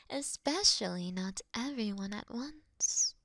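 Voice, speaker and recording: Woman playing a slow, breathy, seductive vampire mistress. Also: fairly high pitch, expressive, no room sound, clean studio sound, exaggerated voice. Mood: dominant, protective. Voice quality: breathy, whispery, soft. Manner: slow, teasing, formal, elegant diction. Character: ancient aristocratic vampire mistress, flirty, charming, gently dominant. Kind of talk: intimate roleplay audio drama, ASMR-like.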